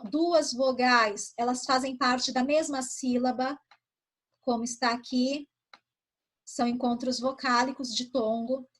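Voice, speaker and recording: Patient, high-voiced woman teacher. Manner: patient, explains slowly and asks pupils questions. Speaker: primary school teacher. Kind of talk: online class review with pupils.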